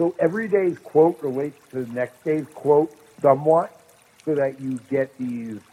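In a normal speaking voice, a man talks at a fairly slow pace with an American accent and ordinary pitch variation. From upstate New York. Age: 50s. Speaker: author. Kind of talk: casual chat.

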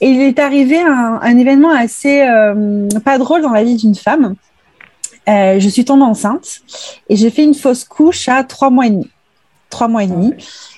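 A woman's high-pitched, dark, mellow tone with ordinary pitch variation at a moderate pace. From French islands. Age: 30s. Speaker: business coach and entrepreneur. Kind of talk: casual interview chat.

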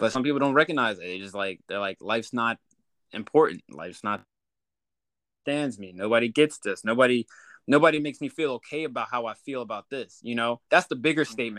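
In a very clean recording with a silent background, a man with a normal speaking voice talks at a fairly quick pace, medium in pitch, with ordinary pitch variation. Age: 20s. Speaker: podcast guest. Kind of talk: casual chat.

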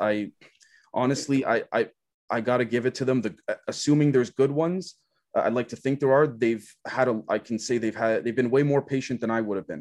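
A man talks at a fairly quick pace with a medium pitch and ordinary pitch variation. He has an ordinary speaking voice. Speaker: podcast host. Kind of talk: casual roundtable chat. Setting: video call.

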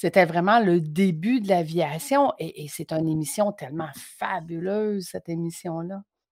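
With a Quebec accent, a woman of fairly low pitch speaks fairly slowly with hardly any pauses, on a very clean recording with a silent background. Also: ordinary pitch variation, big swings in loudness. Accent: Québécois. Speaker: podcast host and business coach. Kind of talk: promotional pitch; casual interview chat.

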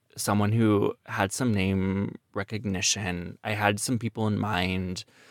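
The voice has a Midwestern US accent, heard in a dry, close sound with no echo on a very clean recording with a silent background. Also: man. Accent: General American, Midwestern. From US Midwest (Iowa). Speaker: podcast host and therapist. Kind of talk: interview answers, personal storytelling.

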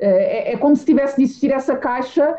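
A woman speaks at a moderate pace. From Portugal. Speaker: journalist and author. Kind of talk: interview conversation. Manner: halting, many fillers.

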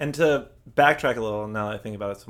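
A man in an unremarkable speaking voice talks with a fairly low pitch and ordinary pitch variation on a very clean recording with a silent background. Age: 30s. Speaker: podcast guest, hosts' roommate. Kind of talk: casual chat.

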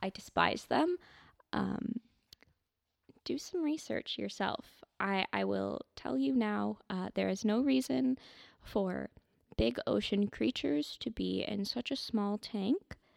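A woman with an American accent speaks at a very slow pace, with long, frequent pauses. The sound is dry and close with no echo, and the recording is very clean with a silent background. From Michigan (the Thumb, rural). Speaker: pet store employee. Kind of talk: podcast interview.

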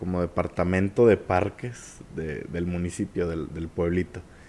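Very deep and low in pitch, this man's voice has a dark, mellow tone. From Monterrey, Mexico. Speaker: film and geek culture blogger. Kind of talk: casual chat.

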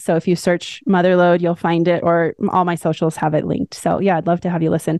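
With an American accent, a woman talks at a moderate pace and fairly low pitch in a monotone, flat intonation, the sound dry and close with no echo against a quiet background. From Colorado. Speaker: growth and performance coach. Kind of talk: casual chat.

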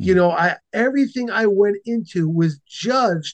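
The recording has a dry, close sound with no echo. The voice belongs to a man. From New England. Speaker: preacher and author. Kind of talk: testimony.

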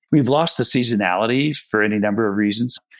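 Here is a normal speaking voice from a man with an American accent. His pitch is fairly low and his pace fairly quick. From US Midwest, Chicago. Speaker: trail foundation director. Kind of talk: casual interview chat.

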